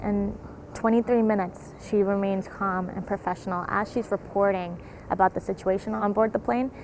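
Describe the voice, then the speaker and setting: A woman explaining history in an interview in a measured, explanatory way, like an educator. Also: mid-range voice, fairly even intonation, darkish tone, a little hiss or hum, poor audio.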